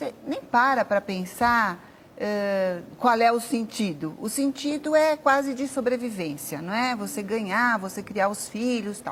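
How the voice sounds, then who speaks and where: Intonation here is lively. The pace is fairly slow. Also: woman, fairly high pitch for a woman. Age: 60s. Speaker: interviewee, pedagogue and anthropologist. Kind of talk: TV interview. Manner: hesitant, many fillers.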